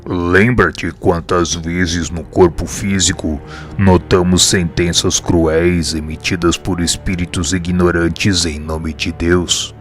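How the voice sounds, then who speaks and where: An actor playing a calm, wise spirit mentor in a radio drama, speaking formal, measured, didactic Brazilian Portuguese. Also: male voice, deep voice. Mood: calm, instructive. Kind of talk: scripted radio drama acting. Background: background music.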